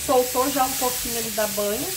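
A Brazilian woman with a Paraná accent talks viewers through lunch at her wood stove in a homey, chatty way. Her voice sits a little high, and it is picked up on a phone camera over steady sizzling and frying. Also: fairly quick, noisy background. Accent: Brazilian Portuguese. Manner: chatty, keeps checking in with viewers. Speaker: home cooking vlogger. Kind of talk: casual step-by-step cooking narration. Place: home kitchen with wood stove. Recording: food sizzling in the background.

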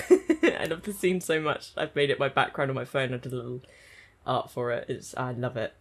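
A woman giving excited, gushing reaction commentary as she watches an anime episode, speaking into her own microphone. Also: extremely low pitch, moderate pace, slightly rough. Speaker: anime reaction channel host. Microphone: own desk microphone.

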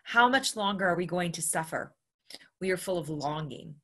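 A woman's voice: on the low side, expressive, normal speed, a bit bright. A woman in her thirties reading a diary aloud into a webcam at home. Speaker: diary reader. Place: dim room at home. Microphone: computer webcam.

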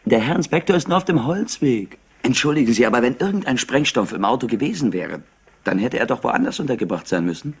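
An actor playing a clever, overexcited and smug rich nephew in a German crime drama, talkative and theatrical. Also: male voice, medium pitch, lively intonation, fast, vocal fry, breathy edge. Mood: showy, condescending. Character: highly intelligent, overexcited, smug nephew of an industrialist. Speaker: actor dubbing a suspect. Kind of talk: German crime drama dub, animated acting.

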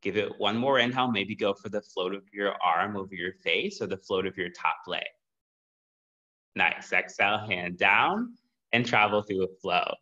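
A man teaching a live-streamed power yoga class, giving steady, encouraging cues and breath prompts. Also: fairly low pitch, normal speed, lo-fi sound. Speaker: yoga instructor.

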